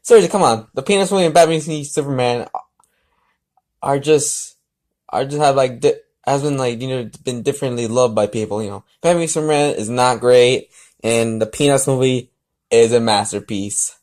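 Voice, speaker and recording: A man in a casual, halting vlog style, rambling and restarting as he hosts a fan fiction reading. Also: medium pitch, a little mellow.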